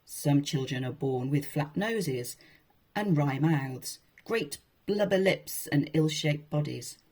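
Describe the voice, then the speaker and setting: Low-pitched, husky woman, mellow and conversational. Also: lively intonation, takes it slowly. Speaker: presenter reading old texts. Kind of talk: informal talk with read-aloud passages from a historical book.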